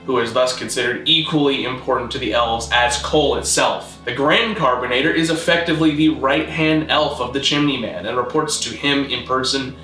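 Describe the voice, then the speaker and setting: A man hosting an educational video, narrating a scripted mock-academic lecture in a deadpan, didactic way. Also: medium pitch, normal speed, hardly any pauses, echoey room, soft background music, poor audio. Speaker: host, video essayist on constructed languages.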